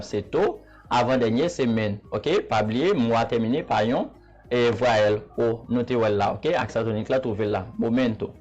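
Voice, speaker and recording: A man with a Haitian accent, teaching a Spanish pronunciation lesson. He speaks patiently, repeats each example word slowly and keeps checking in with the listener. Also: medium pitch, darkish tone. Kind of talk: spoken language lesson.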